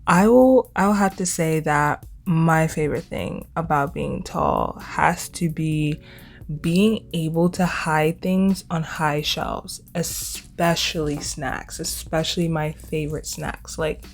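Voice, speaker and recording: A woman's voice: deep voice, takes it slowly, gravelly. A twenty-year-old woman hosting a casual solo podcast, talking in a chatty, informal way and repeating words for emphasis. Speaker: podcast host.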